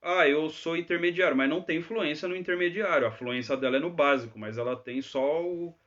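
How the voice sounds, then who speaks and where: A man's voice: fairly high pitch, brisk, a bit bright, dull audio. A man teaching English in a live Q&A, chatty and always checking in with tag questions. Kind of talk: live Q&A lesson.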